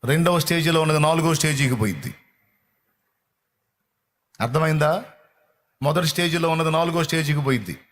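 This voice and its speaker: A man's voice: a little high, brisk, pauses often, a bit bright. A middle-aged man preaching a sermon in a fervent, repetitive cadence. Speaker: pastor.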